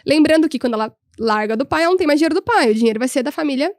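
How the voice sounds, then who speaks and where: A young woman, a podcast guest telling history stories in an animated, humorous way. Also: high voice, rapid-fire, dry recording, studio quality. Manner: animated, humorous, voices quoted people. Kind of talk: casual storytelling chat.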